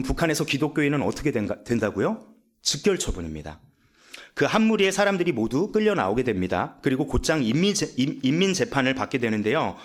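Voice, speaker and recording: Animated male preacher telling a dramatic story. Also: fairly high pitch. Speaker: evangelist. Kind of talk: sermon storytelling.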